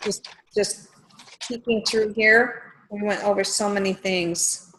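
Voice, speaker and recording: A woman's voice: medium pitch, steady tone, slow, a bit bright, slight background noise, low-quality recording. A woman coach leading a group call, encouraging and talking loosely with fillers and restarts.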